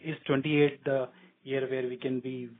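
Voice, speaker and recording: A man's voice: medium pitch, little pitch movement, unhurried. A man, an analyst, asking follow-up questions on an earnings call. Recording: tinny phone line.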